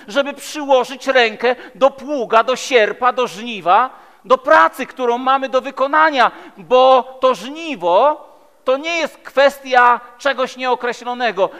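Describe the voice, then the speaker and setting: A very high-pitched, clean-toned male voice belongs to a Polish preacher in his fifties. He repeats phrases and moves dramatically between loud and hushed in an emphatic, rhetorical sermon. The pulpit stands in a large church hall, so the audio echoes with long reverb.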